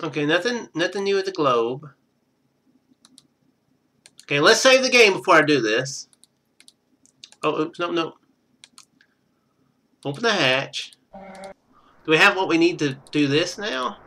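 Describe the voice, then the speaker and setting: A man doing casual game stream commentary, thinking out loud and reading text from the screen. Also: a little high, animated, a little slow, pauses often. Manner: thinks out loud, muttering to himself.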